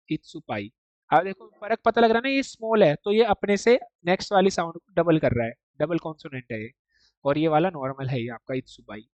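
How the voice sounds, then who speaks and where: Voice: mid-range voice, no echo. This is a language teacher leading an online class, explaining Japanese writing piece by piece. The delivery keeps checking whether the students follow and slips English terms into the explanation. The recording is dry and close, with no room sound. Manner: explains step by step, often checks understanding with "ठीक" and "देखो"; mixes English words into Hindi explanation.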